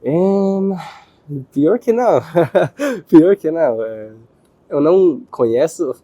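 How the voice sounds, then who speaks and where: Hesitant Israeli man, dark mellow voice. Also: on the high side, expressive, slow pace, no room sound. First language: Hebrew. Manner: hesitant, searching for words, with restarts. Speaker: interviewee. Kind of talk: casual interview answers.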